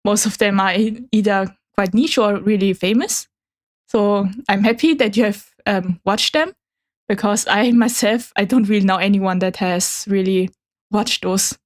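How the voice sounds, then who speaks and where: A woman's voice: mid-range voice, measured pace. A woman with a mid-range voice presents slides on a casual livestream. She is a native Chinese speaker. Her delivery is hesitant and slightly awkward, as befits a newcomer to VTubing. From Germany. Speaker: debuting VTuber streamer.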